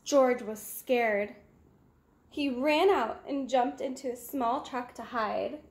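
Female, 20s, children's storyteller. High pitch, slow and expressive delivery, recorded in a roomy home space. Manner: simple, expressive, addressing young children. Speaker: read-aloud storyteller. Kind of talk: children's picture book read-aloud. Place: small room at home, indoors.

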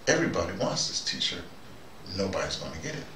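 A middle-aged American man giving a rambling, casual monologue to camera, halting and repeating words as he digresses. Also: low voice, big pitch swings, pushed and bright. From North America. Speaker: host of a personal video dispatch. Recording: echoey room, distant mic, noisy background.

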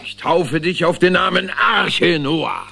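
A man's voice: high-pitched, slow, gravelly, noisy background, full character voice. A man acting an impatient, pompous God in a children's cartoon film, scolding in old-fashioned phrases yet fond. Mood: solemn.

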